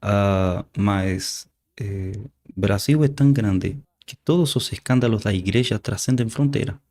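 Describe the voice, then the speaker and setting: A man from Argentina with an Argentine Spanish accent, a native Spanish speaker who talks earnestly and haltingly, repeating words as he preaches in an interview. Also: fairly low pitch, darkish tone. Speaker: guest preacher.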